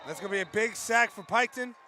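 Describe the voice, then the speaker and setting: A man calling a football game live from an outdoor stadium, joking with his partner and shouting on big plays. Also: high voice, quick pace, some chatter behind. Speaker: play-by-play announcer. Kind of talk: live high school football commentary. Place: outdoor stadium in wind and rain.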